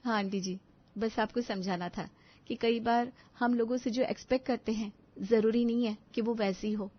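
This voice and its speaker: A woman voicing a bossy, mocking young daughter-in-law in an animated story. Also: on the high side, normal speed, muffled recording, close to an everyday voice. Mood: amused.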